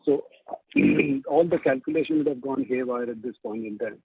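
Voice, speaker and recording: A man's voice: medium pitch, huge pitch swings, moderate pace, creaky, breathy edge, dry recording. A man, an analyst pressing management with persistent questions on an earnings call. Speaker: financial analyst. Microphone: phone. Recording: tinny phone line.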